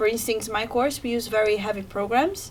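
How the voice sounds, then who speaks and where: A woman with a Portuguese accent speaks at a fairly high pitch with ordinary pitch variation. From Brazil. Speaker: university student. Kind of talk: casual panel chat. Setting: live webinar.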